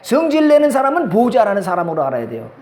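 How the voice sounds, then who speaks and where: Male pastor, middle-aged, high-pitched lively preaching voice, call-and-response sermon in an echoey church hall. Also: fast. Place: church sanctuary.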